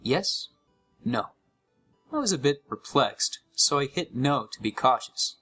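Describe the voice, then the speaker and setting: A man giving an expressive, scripted first-person narration of a horror story. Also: medium pitch, unhurried, breathy edge, soft background music.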